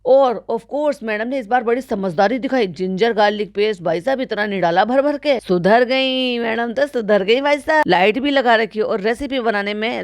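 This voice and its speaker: A woman giving mocking reaction commentary as a vlogger, with sarcastic, teasing asides. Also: fairly high pitch.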